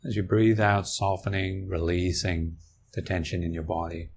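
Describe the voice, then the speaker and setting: A man guiding a meditation, speaking slowly and calmly, with long pauses between phrases. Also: low voice, husky. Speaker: meditation teacher. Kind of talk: guided meditation.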